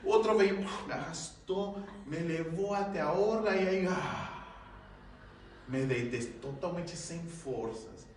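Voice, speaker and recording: Guy giving a spiritist talk, high voice, jumps all over, laughs a lot, really echoey hall, mic far off. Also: slow pace, slight background noise. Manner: lively, acts out his own shouts and gasps, laughs often. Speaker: spiritist lecturer. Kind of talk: public talk, humorous storytelling. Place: lecture hall.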